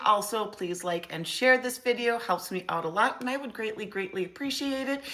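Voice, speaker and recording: A raspy, put-on character voice at a fairly quick pace, with very wide pitch swings and light background noise. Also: woman. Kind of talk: youtube outro. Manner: very fast.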